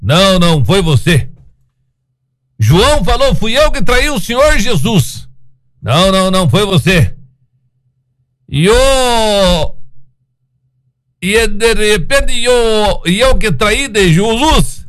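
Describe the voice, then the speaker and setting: Lively high-voiced man telling jokes. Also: slow, pauses often. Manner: animated, laughing often, acts out joke characters. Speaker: host of an informal radio-style audio show. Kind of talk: joke telling and casual chat.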